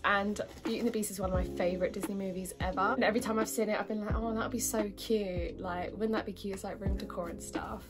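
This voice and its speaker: A young British woman chatting casually to her viewers in a bubbly, informal way, with a slightly husky voice from a cold. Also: medium pitch. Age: young adult. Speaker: vlogger. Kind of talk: casual chatty haul vlog.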